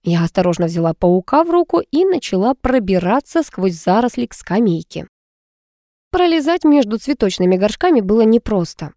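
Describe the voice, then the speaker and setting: Female audiobook reader, animated delivery, dry close sound. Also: medium pitch, no room sound. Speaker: audiobook narrator. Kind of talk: first-person audiobook narration.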